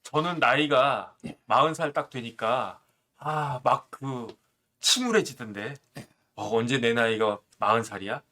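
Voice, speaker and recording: A man's voice: medium pitch, unhurried, bright, forceful tone. A man in his fifties commenting on politics in a talk show, indignant and full of rhetorical questions. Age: 50s.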